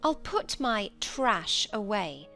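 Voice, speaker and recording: A man voicing a defiant, sullen young woman who answers coldly, with soft music underneath. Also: high voice, very animated, slow pace, gravelly, pitched above the performer's own voice, full character voice. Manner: cold, defiant.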